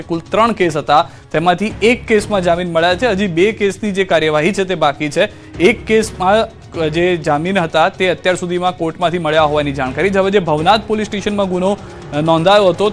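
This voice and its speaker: A man narrating a news report in a scripted, emphatic voice-over. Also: on the high side. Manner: fast, emphatic news delivery.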